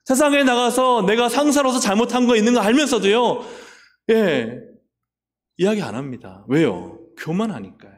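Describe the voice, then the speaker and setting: A man with a Busan accent preaching a sermon in a church. His voice sits somewhat high and moves in wide, animated swings as he questions his congregation. The sound carries a long echo from the sanctuary. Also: moderate pace. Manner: asks the congregation questions and acts out voices of Bible figures. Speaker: pastor. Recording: echoey church hall.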